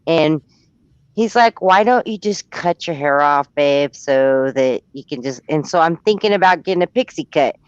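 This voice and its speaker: A woman's voice: low voice, animated, moderate pace, smooth, no room sound. A woman from Texas, chatting on a livestream and rambling through her thoughts with restarts. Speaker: caller on a livestream. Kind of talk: casual chat. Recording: muffled lo-fi stream audio.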